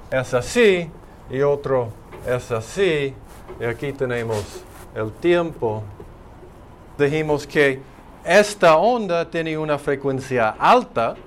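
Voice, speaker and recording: Slow-talking male phonetics teacher. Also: mid-range voice, slight background noise. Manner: slow, explanatory, thinking aloud with fillers. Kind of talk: spoken lecture.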